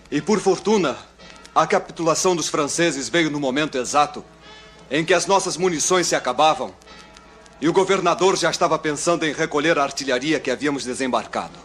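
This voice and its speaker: Male actor pious Jesuit, solemn declamation, fairly high voice, old radio drama, soft music behind. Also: lightly acted. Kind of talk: 1960s radio drama acting.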